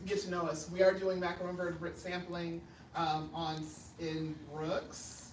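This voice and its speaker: Flat, monotone intonation at a fairly slow pace, with audible room echo and noticeable background noise. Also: woman. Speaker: watershed organization staff. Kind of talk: public presentation. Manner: loud.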